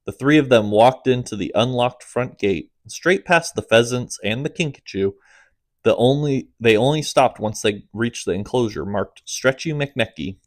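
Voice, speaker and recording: A man narrating his own comic audiobook in a steady storytelling manner, dropping low at the ends of phrases. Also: normal speed, no echo, studio quality.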